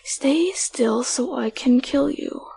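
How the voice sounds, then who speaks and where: A woman playing a murderous female spirit who taunts her prey in a drawn-out, menacing way in an audio drama. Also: sits high, creaky, warm tone, slightly rough, no echo, full character voice.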